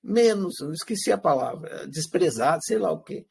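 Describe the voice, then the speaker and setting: A high-pitched man leads a live class. He is animated and asks rhetorical questions that he answers himself. He also acts out everyday lines in quotes. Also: normal speed, vocal fry, slightly rough. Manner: animated, switches into acted quotes of everyday speech. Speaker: teacher.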